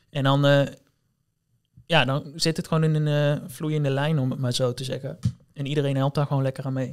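A man at a fairly quick pace, monotone and flat in intonation, with long, frequent pauses. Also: fairly high pitch for a man. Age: 20s. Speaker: intern and podcast host. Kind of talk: casual chat.

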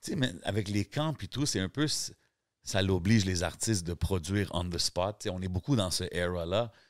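A man with a very deep, low pitch, in a dry sound with no echo against a quiet background. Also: ordinary pitch variation, moderate pace. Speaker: podcast host. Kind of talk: casual chat. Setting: studio. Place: studio. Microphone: studio mic.

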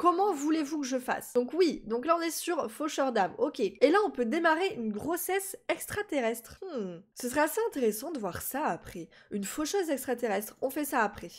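Very wide pitch swings in a high-pitched female voice at a moderate pace. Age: 20s. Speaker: gaming YouTuber. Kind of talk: casual talk to camera, gameplay commentary.

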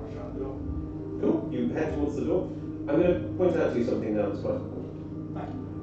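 A man's voice carries audible room echo. Clear music plays in the background. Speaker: game master narrator. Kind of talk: live roleplay narration. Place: stage.

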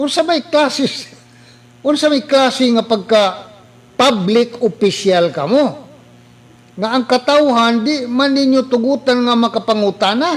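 Pausing long and often, a man with an extremely high pitch speaks at a fairly slow pace with ordinary pitch variation. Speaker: local political commentator. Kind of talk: political rant. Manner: animated.

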